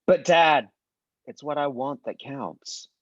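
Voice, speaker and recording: A man acting an earnest, troubled teenage son who speaks haltingly and deferentially in a drama table read. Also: medium pitch, no room sound, muffled recording. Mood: pleading, dejected. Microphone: video call microphone.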